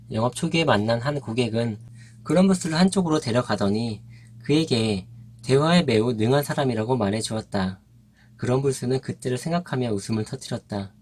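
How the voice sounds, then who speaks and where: A man narrating a nonfiction book in an even, measured reading voice. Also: mid-range voice. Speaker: audiobook narrator.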